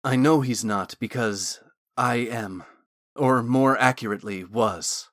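A man's voice: medium pitch, slow pace, fairly bright tone. A man playing an earnest, desperate cursed man in a fantasy audiobook, pleading urgently in formal wording. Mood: grave confession.

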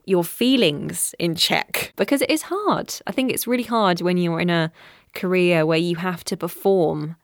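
A woman's voice: on the low side, dry recording, studio quality. A woman voiceover artist in a casual interview, chatty and self-deprecating, laughing often.

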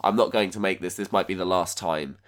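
A man's voice: low-pitched, a little fast. A man co-hosting a casual podcast chat, thinking aloud with restarts and the odd swear. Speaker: podcast co-host.

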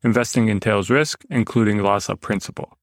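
A man's voice: fairly low pitch, fairly quick, dry recording, studio quality. A man hosting a podcast interview, reading the intro and then asking his guest questions in a friendly, upbeat way. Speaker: podcast host.

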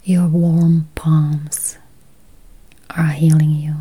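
Very slow, whispery woman guiding meditation. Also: low-pitched, little pitch movement, warm tone. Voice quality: breathy, whispery. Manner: slow, soothing, long pauses. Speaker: guided meditation host. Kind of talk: guided meditation, slow affirmations.

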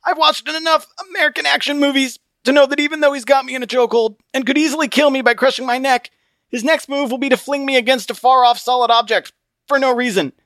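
A man puts on a desperate young soldier, his voice pushed high and loud above his own. He pleads in a strained, frantic rush, all nerves and urgency, in a dry, close storybook reading. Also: fairly even intonation, fast, dry recording.

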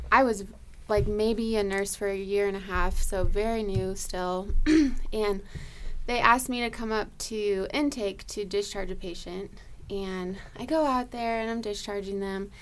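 A woman ER nurse telling a work story in a casual, lively way, laughing often and saying "like" a lot. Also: mid-range voice, a little hiss or hum. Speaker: ER nurse guest.

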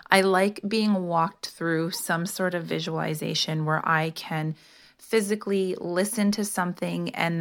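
A woman co-hosting a wellness podcast, talking in a soft, soothing, unhurried way as she leads into a guided meditation. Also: on the low side, creaky. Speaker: podcast co-host, holistic health practitioner. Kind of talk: casual chat, gentle intro to a guided meditation.

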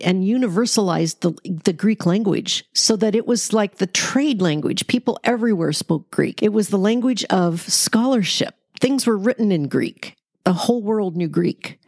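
A woman's voice: mid-range voice, darkish tone, no room sound, studio quality. A woman hosting a Bible study, explaining scripture conversationally in an explanatory, emphatic way. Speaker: Bible study podcast host.

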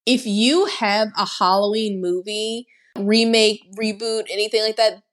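A woman's voice: mid-range voice, steady tone, a little slow. A woman co-hosting a podcast, recapping a horror movie in a chatty, sarcastic way and saying "like" a lot. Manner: chatty and sarcastic, heavy use of "like". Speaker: podcast co-host. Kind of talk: casual film recap.

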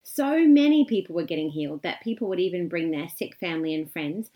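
A woman's voice: lowish voice, lively intonation, a little fast, warm tone. A woman hosting and telling a short Bible story for children in an upbeat, enthusiastic way. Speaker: host.

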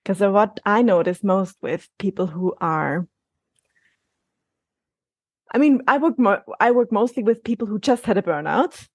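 A woman coaching guest speaking gently and reassuringly in a conversational interview, often restarting her sentences. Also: mid-range voice, animated, unhurried, pauses often, husky, no echo.

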